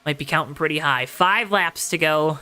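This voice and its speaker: Bright and forceful at medium pitch, this live motorsport call moves at a moderate pace against slight background noise. The commentator repeats lines emphatically and dramatically, using colorful language.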